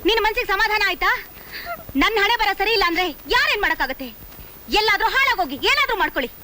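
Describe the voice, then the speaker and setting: A woman's voice: very high voice, lively intonation, quick pace, sharp tone, a little hiss or hum, exaggerated voice. A bitter, scornful stepmother. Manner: scornful, harsh, threatening. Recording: film soundtrack with music.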